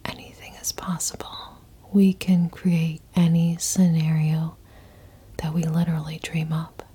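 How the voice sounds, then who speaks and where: Low slow whisper from a woman, super breathy, soft and mellow, asmr roleplay vibe. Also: monotone. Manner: slow, hushed, intimate whispering. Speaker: audio performer.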